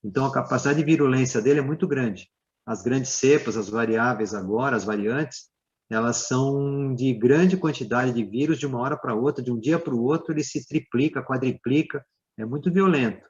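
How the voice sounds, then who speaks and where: A man's voice: medium pitch, a little fast. Man with a muffled lo-fi voice. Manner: hesitant, many fillers and tag questions. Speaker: dentist guest. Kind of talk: live Q&A explanation.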